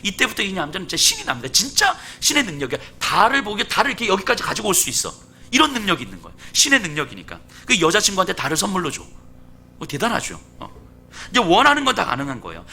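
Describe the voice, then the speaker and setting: A man's voice: sits high, fast talker, husky. A male pastor preaching an expository sermon in a conversational way, putting questions to the congregation and telling stories with animation. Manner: animated storytelling.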